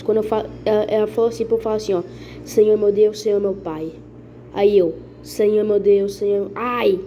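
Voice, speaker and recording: A Brazilian woman with a fairly high, mellow voice tells her conversion testimony to a congregation. She speaks in an earnest, dramatic way, repeats herself and keeps calling out to her brothers and sisters. A faint hiss sits under her voice. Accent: Brazilian Portuguese. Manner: earnest, repetitive, dramatic storytelling that addresses listeners as brothers. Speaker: church member giving testimony.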